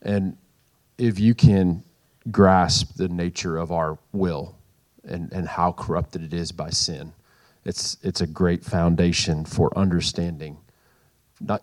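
Deep-voiced man commenting in a group. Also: a little mellow. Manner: halting, repeats words as he thinks. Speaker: participant in the group.

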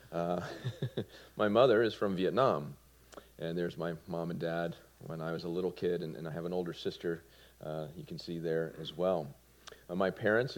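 Man, forties, Southern American accent, very low voice, earnest sermon testimony, some fillers. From Georgia, US. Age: 40s. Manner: earnest, with fillers and soft laughs. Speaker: preacher.

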